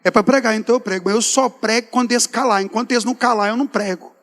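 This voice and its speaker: A man, a pastor telling a lively testimony in a sermon and acting out his talks with God in folksy asides. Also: very high-pitched, racing, long reverb tail. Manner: animated storyteller, acts out dialogue with God, folksy asides.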